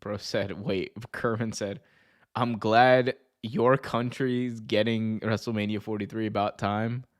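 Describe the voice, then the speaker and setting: An American wrestling show host with a North American accent runs a casual livestream, reacting to viewer comments in slangy, sweary talk and often laughing. His voice is fairly low, level in tone and unhurried.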